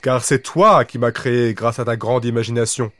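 A man voicing a big male forest monster with a deep voice he makes soft, gentle yet stern with bullies. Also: steady tone, moderate pace, no room sound, lightly acted.

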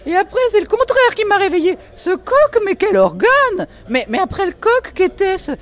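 A woman voicing a pompous, theatrical older society lady in a shrill, affected tone while reading a novel aloud. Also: very animated, moderate pace. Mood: affected complaint.

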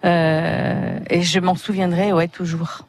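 A middle-aged woman answers questions as a radio guest. She talks in a relaxed way and hesitates often. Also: on the low side, takes it slowly, no echo. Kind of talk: radio interview.

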